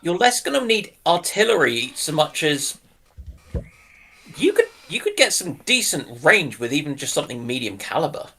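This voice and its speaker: A man chats as a panelist in a bright, sharp-edged voice that sits a little high. He offers his thoughts casually and tentatively, working them out as he speaks. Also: big pitch swings, moderate pace. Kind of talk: casual discussion.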